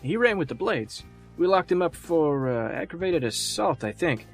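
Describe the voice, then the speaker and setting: An actor playing an easygoing, slightly fumbling junior detective in an audio drama, speaking casually and hesitantly. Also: male voice, on the high side, sing-song, moderate pace, faint music behind.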